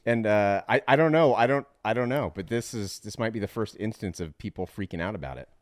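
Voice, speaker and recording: A man's voice: on the low side, no room sound, studio quality. A man co-hosting a casual movie podcast, eager and laughing often. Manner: eager, laughs often, quick bursts of excitement. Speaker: podcast co-host.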